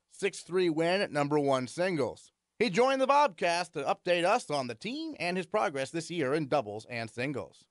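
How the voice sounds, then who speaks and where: A man's voice: a little high, no room sound, clean studio sound. Friendly man hosting a college sports podcast. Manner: friendly, encouraging questions. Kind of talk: interview and read sports news.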